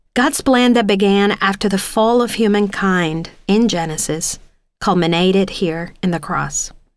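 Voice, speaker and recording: Heard with audible room echo, a woman speaks at a fairly slow pace. Her pitch is medium, with ordinary variation. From Cuba, Havana. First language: Spanish. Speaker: Salvation Army officer, preacher. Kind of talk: scripted sermon-style teaching.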